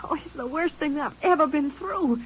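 A woman's voice: high voice, normal speed, slight background noise, close to an everyday voice. A woman playing an anxious, insistent American teenage girl in a 1950s radio drama, stammering and pleading as she talks. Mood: distressed. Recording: dull old radio recording.

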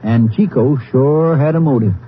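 An actor playing a plain-spoken, folksy county sheriff in a 1950s western radio drama, laconic in manner. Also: male voice, medium pitch, normal speed, close to an everyday voice. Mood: puzzled. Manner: laconic, homespun. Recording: dull, noisy old radio recording.

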